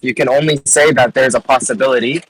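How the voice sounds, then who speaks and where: A man arguing the Muslim side in an online voice-chat debate, who talks quickly, repeats words and asks if others follow. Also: medium pitch, steady tone, husky, no room sound, poor audio. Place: voice chat call.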